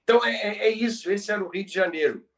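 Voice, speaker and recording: An older Brazilian man hosts a talk about bygone days in a measured, explanatory manner. His voice sits a little higher than most men's. He sounds slightly away from the microphone. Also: fairly bright tone. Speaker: podcast host. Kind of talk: reminiscing talk on radio history. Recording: somewhat distant from the mic.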